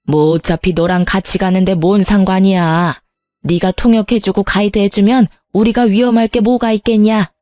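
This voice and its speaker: A woman's voice: medium pitch, steady tone, normal speed, dark tone, no echo, faint music behind, natural voice. A woman voicing a bossy, demanding older mother-in-law who scolds and pushes in a storytelling video. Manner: pushy, scolding.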